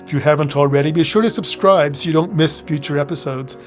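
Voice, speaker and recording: On a reflective spiritual podcast, the male host speaks slowly and deliberately, one phrase at a time, reading inspirational passages gently. His pitch is fairly high, and faint music plays in the background.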